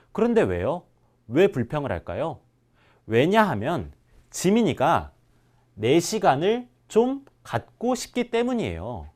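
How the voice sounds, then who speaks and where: A man teaching a language class, drilling example words slowly and clearly for his students. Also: fairly high pitch, darkish tone. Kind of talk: classroom lesson.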